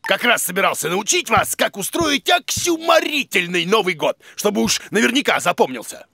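Bumbling monster teacher for kids' cartoon: blustery, exclaiming, very animated, music underneath. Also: male voice, high-pitched, normal speed, gravelly, husky, no echo, clean studio sound, heavily acted. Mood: boastful. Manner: blustery, exclaiming, mangles words. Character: bumbling, boastful big monster who plays teacher, male. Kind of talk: children's cartoon voice acting.

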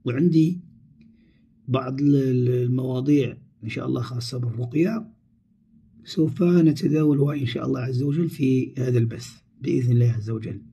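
A man's voice: medium pitch, brisk, vocal fry, warm tone, breathy edge. A man with a Moroccan Arabic accent, answering viewers' questions on a live stream and reading them aloud with frequent pious phrases.

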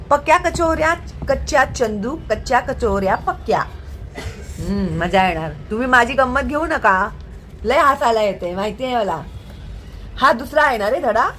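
A woman teaching a children's lesson, speaking slowly and patiently and checking often that the listener follows. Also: fairly high pitch, a bit bright, slight background noise. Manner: patient, slow and singsong, checking understanding often. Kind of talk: Marathi lesson for young children.

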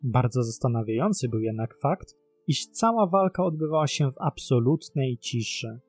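A man's voice: mid-range voice, expressive, normal speed, darkish tone, husky, faint music behind. A man narrating a scripted documentary about mysteries in a dramatic storytelling manner. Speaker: narrator of a mystery web series.

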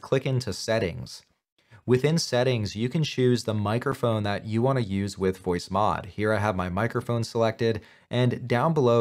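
A man in his thirties giving an upbeat, clearly explained software tutorial from a home office. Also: medium pitch. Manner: upbeat, clear instructional delivery. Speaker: tech tutorial host. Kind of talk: scripted tutorial narration.

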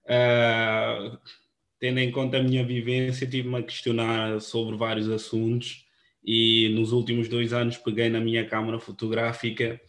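A man's voice: medium pitch, a bit bright. A man in his thirties, born in Guinea-Bissau and raised in Portugal, giving an informal presentation on a video call. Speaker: photographer presenting his project at a debate. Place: indoor room on a video call. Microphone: computer microphone on video call.

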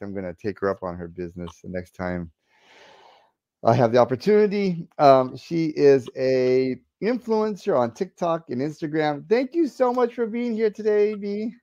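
Guy hosting a podcast, mellow voice, dry slightly muffled sound, rambles n restarts questions. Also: medium pitch, expressive, moderate pace, no echo. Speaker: podcast host. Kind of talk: casual interview.

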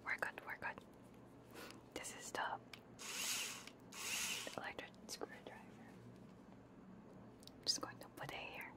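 A woman streaming ASMR, chatting casually in a soft, hushed, breathy whisper close to a binaural microphone while sick with a cold. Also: takes it slowly, pauses often. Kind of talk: ASMR, casual livestream chat. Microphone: close binaural ear microphone.

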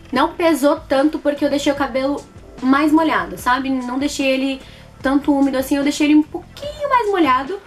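This high-voiced Brazilian woman in her twenties reviews beauty products in a casual, expressive chat to camera, repeating words to stress them. A light music bed plays underneath, and she is in a small, plain room indoors.

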